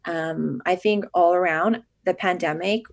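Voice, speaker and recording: A woman's voice: fairly low pitch, a little slow, vocal fry, low-quality recording. Young woman from alberta chatting as a podcast guest, emphatic, lots of "like". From Alberta, Canada. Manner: chatty and emphatic, many "like" and "you know". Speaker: guest, marketing agency founder. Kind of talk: casual podcast interview.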